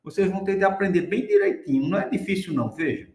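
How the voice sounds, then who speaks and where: A calm, secretive old tribal elder speaks slow and careful in a lifted voice, as a male storyteller puts him on. The sound rings a little in a reverberant room. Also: sits high, voice pushed up. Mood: earnest. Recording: echoey room.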